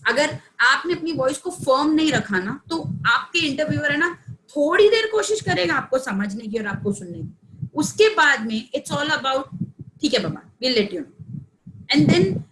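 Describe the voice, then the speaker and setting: A woman's voice: high voice, animated, a little slow, a bit bright, slight background noise, poor audio. A woman trainer giving an online training session over a headset, explaining in a conversational way, mixing in English and asking the audience questions. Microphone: headphones on a video call.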